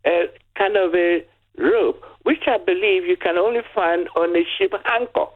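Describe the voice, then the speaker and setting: A man's voice: sits high, moderate pace. An older man from Nigeria with a Nigerian accent and Yoruba as his first language, telling a story as a caller on a radio phone-in. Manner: storytelling, lively, with restarts. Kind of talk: phone-in chat. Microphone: telephone. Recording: tinny phone line.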